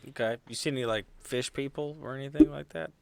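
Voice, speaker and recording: A man's voice: mid-range voice, quick pace, gravelly, a little mellow, smooth. A man chatting loosely as a player in a tabletop roleplaying game, with an amused, joking manner. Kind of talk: casual game chat.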